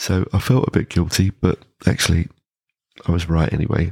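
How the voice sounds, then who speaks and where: Quiet and close, a man's very deep, low voice carries a dark, mellow tone with ordinary pitch variation and a dry sound with no echo. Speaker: session musician. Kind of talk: casual vlog monologue. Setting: hotel room. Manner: talking quietly.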